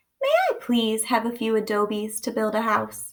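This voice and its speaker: A woman does a put-on character voice with a fairly high pitch at a moderate pace. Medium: read story.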